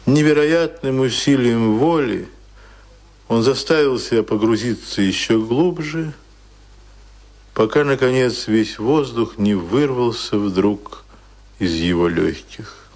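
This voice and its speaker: A man narrating a radio play in a grave, measured, suspenseful literary style. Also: mid-range voice, darkish tone. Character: grave male narrator of a drowning man's end.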